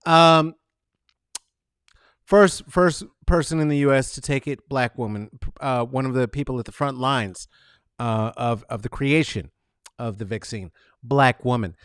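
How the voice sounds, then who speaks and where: A man hosting a casual comedic monologue, rambling and profane, animated and full of fillers. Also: medium pitch, measured pace, clear, resonant tone, no echo, studio quality. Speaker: podcast host.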